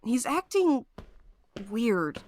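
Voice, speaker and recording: A woman's voice: a little high, big pitch swings, very slow, a little mellow, heavily acted. A woman acting a sarcastic, anxious, grumbling reluctant explorer in a naturalistic audio drama, with a dry, complaining delivery. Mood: sarcastic, irritated.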